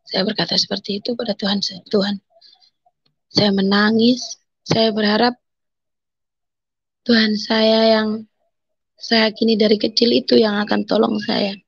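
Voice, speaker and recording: A woman giving an emotional personal conversion testimony, telling her story haltingly and voicing her own thoughts as she speaks. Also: mid-range voice, flat delivery, creaky, slightly rough, no echo, dull audio. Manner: emotional, halting storytelling with quoted inner speech.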